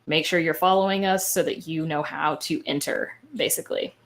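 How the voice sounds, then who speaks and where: Low-pitched woman giving panel advice. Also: steady tone, a little fast. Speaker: podcast producer and panelist.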